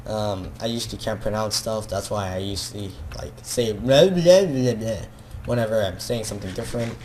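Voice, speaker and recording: A man's voice: on the low side, moderate pace, a little mellow, slight background noise. Hesitant rambling man, Filipino accent. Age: teenager. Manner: hesitant, self-conscious, many fillers and restarts. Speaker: gaming video creator. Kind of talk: casual rambling monologue.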